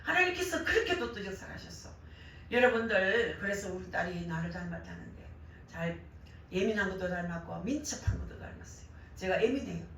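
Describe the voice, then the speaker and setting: Older korean lady preaching, gyeongsang accent, worn hoarse voice, lively stories, super echoey and a bit far from the mic. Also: lowish voice, brisk, a little hiss or hum. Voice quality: worn, hoarse voice damaged by years of crying out in prayer. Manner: animated storytelling, acting out quoted remarks. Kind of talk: sermon with personal anecdotes. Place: church service, roomy indoor hall. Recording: very echoey church hall, distant mic.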